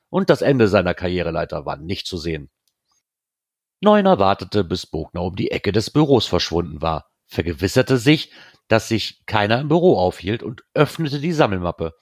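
A man reading a novel aloud in a steady, even storytelling manner. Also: lowish voice, no room sound, studio quality. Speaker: reader.

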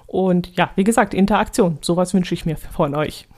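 A woman's voice: fairly low pitch, moderate pace, a little mellow. Chatty woman hosting a podcast. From Allgäu, Germany. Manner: chatty, with frequent ähm fillers and little laughs. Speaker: podcast host. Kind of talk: casual solo podcast chat.

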